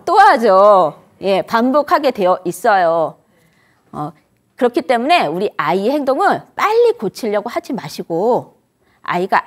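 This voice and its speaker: A middle-aged woman gives an instructive lecture to grandparents about raising children, posing questions to the audience and answering them herself. Her fairly high voice rises and falls a great deal.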